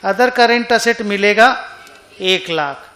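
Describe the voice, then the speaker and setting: A man's voice: sits high, slow, pushed and bright. A man teaching an accounting class in a conversational way, often stopping to ask his students whether they follow. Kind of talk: classroom lecture. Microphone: online class recording.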